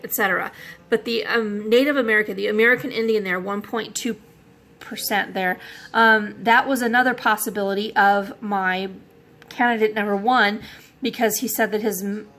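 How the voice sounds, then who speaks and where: A woman in her forties talking casually to camera, rambling with many pauses and fillers as she thinks aloud. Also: mid-range voice, a bit bright. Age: 40s. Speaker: vlogger.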